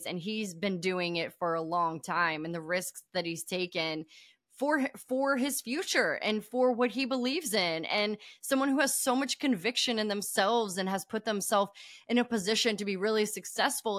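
Bright, crisp woman in casual sports chat. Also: medium pitch, dry recording, clean studio sound. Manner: thoughtful, measured, asks "right?". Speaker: podcast co-host.

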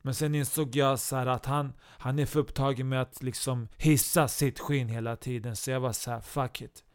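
A man's voice: mid-range voice, level tone, clear, resonant tone, close to an everyday voice. A man voicing a chatty young woman guest in a comedy podcast sketch, breezy and unbothered.

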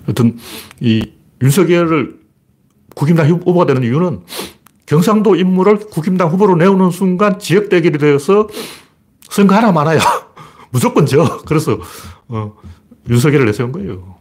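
A man's voice: on the high side, animated, normal speed, a little mellow, husky. A man giving casual political commentary in a sarcastic, mocking way, with scoffing asides and emphatic rises to drive his points home.

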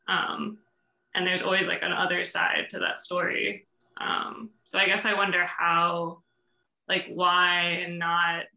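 A woman in an audience putting an earnest, challenging question to an academic speaker, softened with hedges, in a roomy recording. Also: on the low side, creaky. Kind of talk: spoken critical question at an academic talk. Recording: echoey, roomy pickup.

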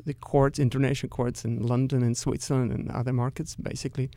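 A middle-aged man with a Russian accent, answering interview questions as a company executive in a measured, careful, explanatory way. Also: medium pitch, little pitch movement, warm tone, no room sound.

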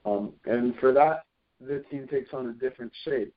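A man's voice: mid-range voice, normal speed. Young man on a tinny phone line. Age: 20s. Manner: thoughtful, restarts phrases often. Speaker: college rowing team captain. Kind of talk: reflective interview answers.

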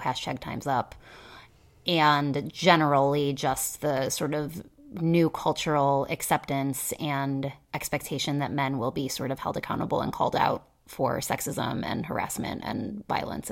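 A woman co-hosting a podcast, talking casually with many fillers in a cynical, hedging way. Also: sits low. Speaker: podcast co-host; teacher.

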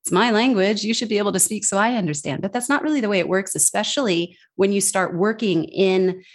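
A woman from the United States, a guest in a conversational interview, talking in a lively way and acting out what others said in a raised voice. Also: fairly quick. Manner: animated, acts out quoted people in high voices. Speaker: guest speaker on accents and communication.

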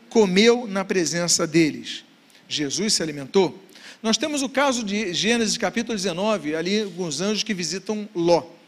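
A man's voice: high voice, fairly bright tone. A man giving a Bible study lecture, reading scripture passages aloud and posing rhetorical questions. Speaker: Bible teacher.

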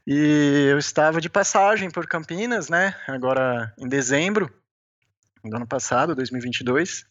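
Man with a Brazilian accent heard over the phone, lo-fi phone line, fairly high voice, bright and forceful, easygoing chatty guest. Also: moderate pace. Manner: easygoing, chatty, sprinkles "né" and small laughs. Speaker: podcast guest, beginner mountaineer. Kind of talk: casual interview chat.

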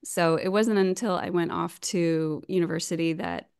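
Chatty American woman with a gravelly edge. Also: fairly low pitch, normal speed, a little mellow. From United States. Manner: chatty, self-deprecating, laughs easily. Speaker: podcast guest. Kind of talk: casual remote interview chat. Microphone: video call.

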